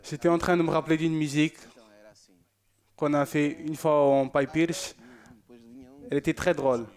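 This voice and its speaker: A man's voice: a little high, little pitch movement, normal speed, a little mellow. A man presenting a church show, chatting casually and joking as he reads out viewer messages.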